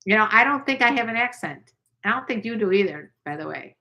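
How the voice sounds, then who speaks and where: Older woman host, chatty and rambling, bright voice. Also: fairly high pitch, lively intonation, highs cut off. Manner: chatty, rambling, quick asides. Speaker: channel host. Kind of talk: casual livestream chat.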